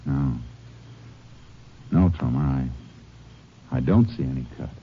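An actor playing a stern, dogged Texas Ranger, terse and commanding, in 1950s western radio drama. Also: male voice, rumbling low, slow pace, slight background noise. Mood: probing. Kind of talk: 1950s western radio drama acting with first-person narration. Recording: dull old radio recording with music.

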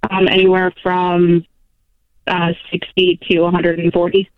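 A woman in her twenties from Florida, calling in over the phone and speaking in a hesitant, halting way. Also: lowish voice, monotone, no echo. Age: 20s. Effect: over the phone line. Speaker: caller. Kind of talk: call-in advice talk. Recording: tinny dry phone line.

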